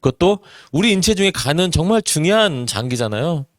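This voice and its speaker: Earnest forties male presenter, animated delivery, dry recording. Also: a little high, a little fast, no room sound. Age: 40s. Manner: earnest, rhetorical questions, many "eo" fillers. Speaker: network marketing business presenter. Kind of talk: seminar talk to an audience.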